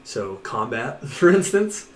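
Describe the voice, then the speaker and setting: A man narrating as game master in a casual tabletop session, describing scenes in an unhurried way and chuckling often. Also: mid-range voice, very animated. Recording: echoey room with faint noise.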